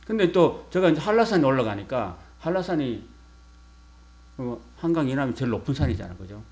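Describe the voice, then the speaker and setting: Lively middle-aged man preaching conversationally. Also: mid-range voice, fairly quick. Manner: conversational preaching with rhetorical questions to the congregation. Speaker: pastor. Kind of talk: sermon.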